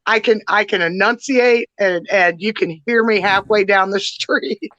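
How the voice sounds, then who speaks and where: A woman's voice: medium pitch, measured pace, a bit bright, no room sound, highs cut off. A woman in a casual livestream chat who tells brash stories and laughs a lot.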